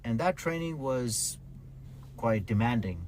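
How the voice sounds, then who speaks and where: A man's voice: mid-range voice, lively intonation, measured pace, darkish tone. A man in his forties from Pakistan, speaking conversationally as he explains things like a taxi driver being interviewed. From Pakistan, grew up in Karachi, later the UK. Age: 40s.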